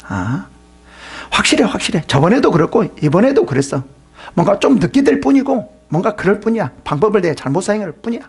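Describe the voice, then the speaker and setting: A man voicing a scheming male Satan who taunts and urges people on, with a raspy, gravelly voice. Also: high-pitched, very animated, fast talker, a little mellow, full character voice. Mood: cocksure. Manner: jeering, urgent commands.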